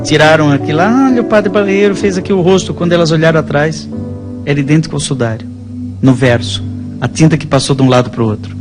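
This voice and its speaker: A man with a Brazilian accent, a priest, talking conversationally about faith and telling stories in a halting, rambling way. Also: a little high. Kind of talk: conversational religious storytelling. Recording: music playing behind the voice.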